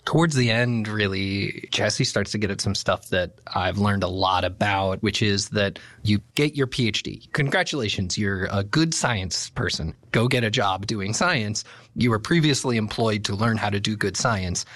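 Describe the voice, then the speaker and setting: Lowish guy hosting a podcast, talks it through, dry close sound. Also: moderate pace, a bit bright, no room sound. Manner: thoughtful, explanatory. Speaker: podcast host. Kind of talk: casual discussion.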